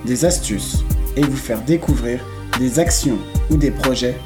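A podcast host reads a scripted intro over music, then chats casually with his guest in the interview. His medium-pitched voice moves a little slowly.

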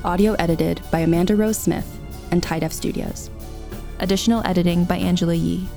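A woman delivers a scripted credits read as announcer. Her voice is slightly low and mellow, with faint music behind it. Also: steady tone, a little fast, vocal fry.

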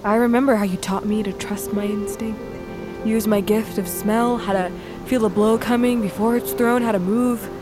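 A woman plays a protective tribal sister in an audio fiction drama. She is resolute and earnest, urgent and terse, with a mid-range pitch over clearly audible music. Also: steady tone, normal speed, lightly acted. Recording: music bed under the dialogue.

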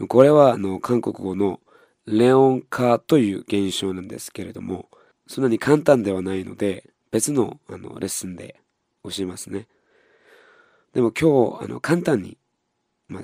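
Male language teacher, low mellow voice, patient and measured, dry close recording. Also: no echo. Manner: calm, patient, repeats example words slowly. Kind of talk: explaining a lesson.

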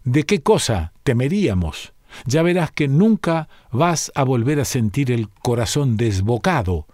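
Man reading a solemn white-haired elder, slow and dignified, storybook, dry sound. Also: medium pitch, very animated, darkish tone, no echo. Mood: explaining.

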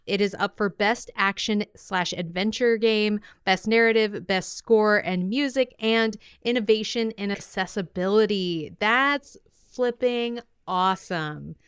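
A woman's voice: mid-range voice, a little slow, a bit bright, clean tone, dry recording, clean studio sound. A woman co-hosting a podcast in casual, upbeat entertainment chat, with an enthusiastic, playful and slangy manner. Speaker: podcast co-host.

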